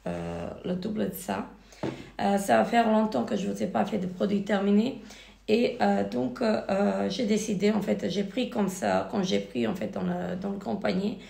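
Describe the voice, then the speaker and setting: A woman with a cold and a hoarse voice, hesitantly reviewing finished beauty products in a casual vlog. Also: mid-range voice, dark tone. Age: married adult. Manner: hesitant, many fillers and restarts. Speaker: beauty vlogger. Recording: echoey room.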